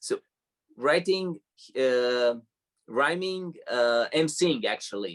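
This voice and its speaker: A man's fairly high voice with a Serbian accent, lively intonation and a very slow pace with long, frequent pauses. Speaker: street artist. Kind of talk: online class Q&A. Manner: hesitant.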